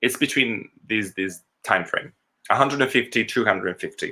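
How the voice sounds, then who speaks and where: The man speaks with an Italian accent. His tone is bright and sharp, with ordinary pitch variation. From Italy. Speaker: actor and voiceover artist. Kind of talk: online lesson, casual talk.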